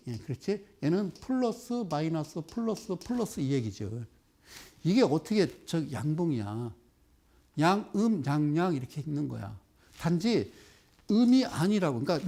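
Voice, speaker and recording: A middle-aged man giving a televised stock investment lecture. He speaks straight to the viewers, keeps asking rhetorical questions, and slows right down when he points at the chart. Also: high-pitched, warm tone. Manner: drops into slow, drawn-out explaining while pointing at a chart.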